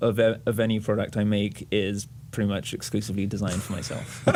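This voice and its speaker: A man's medium-pitched voice with an English accent at a fairly quick pace. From England. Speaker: software company founder and video editor. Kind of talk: interview. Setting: studio. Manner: hesitant, many fillers.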